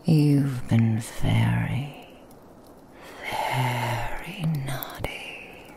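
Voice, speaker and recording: A woman voicing a seductive, possessive female Krampus demon in a whispered ASMR roleplay, teasing and mocking in an intimate hush. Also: a bass voice, very slow, gravelly, slight background noise, exaggerated voice. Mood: menacing.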